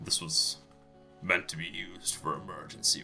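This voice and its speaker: A man puts on a character voice that sounds raspy, at a moderate pace. Faint music plays in the background. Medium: actual play. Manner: formal, grave.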